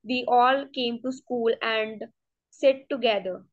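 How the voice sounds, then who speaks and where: Taking a practice speaking test by video call, a young Punjabi-speaking student hesitates, restarts, and leans on fillers. She has a slightly high, slow voice, heard through dull, lo-fi call audio.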